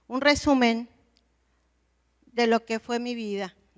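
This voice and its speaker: A woman speaks at a fairly slow pace in a fairly high pitch, her intonation fairly even. The recording is very clean with a silent background, dry and close with no echo. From Mexico. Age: 60s. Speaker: church member giving testimony. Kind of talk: testimony. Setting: church.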